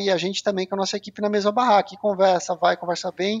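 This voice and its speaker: This man talks at a high pitch. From São Paulo city, Brazil. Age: 50s. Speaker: bike shop professional. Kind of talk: casual interview chat.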